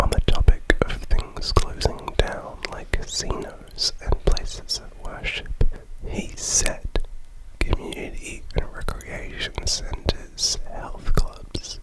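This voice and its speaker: The words come out as a whisper, very slowly. Behind them, background noise is noticeable. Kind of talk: ASMR political parody reading news briefing highlights. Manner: soft whispering.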